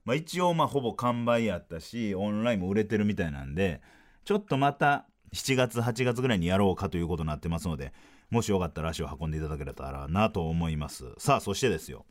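Lively Kansai man spinning a story. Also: fast. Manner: animated, sing-song delivery with swooping pitch. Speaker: podcast host, comedian. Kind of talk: casual storytelling monologue.

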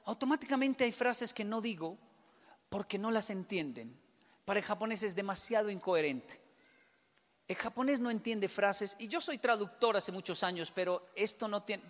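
A Colombian man telling funny stories to an audience and acting out both sides of each conversation. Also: high voice. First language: Spanish. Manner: animated storytelling, acts out both sides of dialogues. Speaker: speaker. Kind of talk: humorous talk to an audience. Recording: long hall reverb.

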